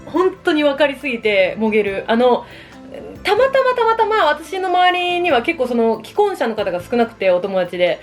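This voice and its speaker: A woman's voice: high-pitched, very animated, normal speed, soft background music. A woman in her thirties chatting casually and confessionally over a meal, self-deprecating and giggly, often acting out imagined remarks. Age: 30s. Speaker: solo vlogger. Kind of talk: casual confessional chat, reacting to relatable dating woes.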